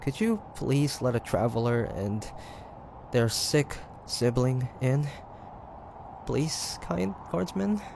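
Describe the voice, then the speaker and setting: A man acting as a guarded young demon hunter in a roleplay audio drama. His voice is gravelly and unhurried, mid-pitched, with hesitant stammers and sardonic edges that hide a soft side. Faint ambient noise sits behind him. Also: lively intonation. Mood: pleading. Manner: hesitant, stammering, teasing, sighing. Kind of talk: roleplay audio drama, one-sided dialogue.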